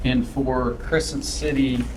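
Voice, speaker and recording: A man's voice: medium pitch, little pitch movement, takes it slowly, noisy background. A man chairing a public meeting, folksy in small talk and pointed when he questions. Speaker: committee chair. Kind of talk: public meeting, leading agenda.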